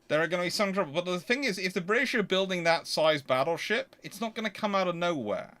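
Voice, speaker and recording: A man's voice: sits high, animated, quick pace, pushed and bright. A man hosting a casual question-and-answer stream, talking in an emphatic, argumentative, conversational way. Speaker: host answering viewer questions.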